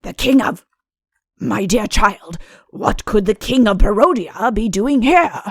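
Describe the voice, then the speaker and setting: A woman voicing a pompous, fussy fairy-tale king and doting father in a comic audiobook, with mock-innocent, deliberate phrasing. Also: medium pitch, lively intonation, breathy edge, dry recording, clean studio sound. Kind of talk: audiobook comic character acting.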